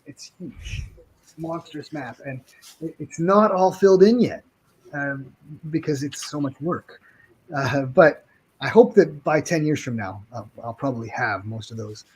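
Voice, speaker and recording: A man talking as an interview guest about his game products, halting and restarting often. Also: on the high side, lively intonation, a little mellow, husky, poor audio. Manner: halting, restarts with many ums and uhs. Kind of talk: casual interview chat.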